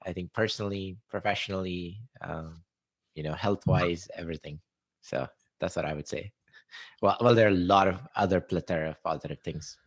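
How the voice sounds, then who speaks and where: Relaxed low-voiced man reflecting. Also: normal speed, no room sound. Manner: relaxed, reflective, many fillers. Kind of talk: casual chat.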